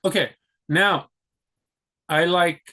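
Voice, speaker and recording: A man's voice: sits high, fairly even intonation, slow pace, sharp tone. A young man from the US, talking casually about his own plans in a rambling way, with many restarts and fillers. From United States. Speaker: vlogger. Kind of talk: casual talk to camera.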